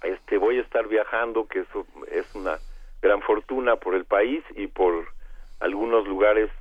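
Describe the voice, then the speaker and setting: A man with a Mexican accent and a hoarse, cavernous voice from bronchitis, speaking haltingly as a guest in a radio interview over a phone line. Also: on the low side, steady tone. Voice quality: cavernous, congested voice. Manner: halting, hesitant, searching for words.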